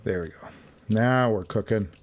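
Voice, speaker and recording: In a home garage studio, a man with a lowish voice speaking at normal speed hosts a casual live stream while assembling headphones, muttering to himself and chuckling. The sound is lo-fi, with faint music behind.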